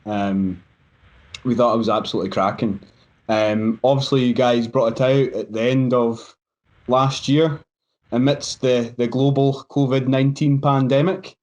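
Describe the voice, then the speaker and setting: A man's voice: mid-range voice, fairly even intonation, a little slow, a little mellow. Man, podcast co-host, eager praise, muffled lo-fi audio. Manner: enthusiastic praise, ums between phrases. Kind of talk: podcast interview question. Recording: dull lo-fi sound.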